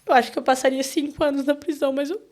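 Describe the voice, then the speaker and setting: A woman from Brazil, a podcast guest, telling a painful personal story in a halting, emotional way with many restarts. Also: sits high, steady tone, darkish tone.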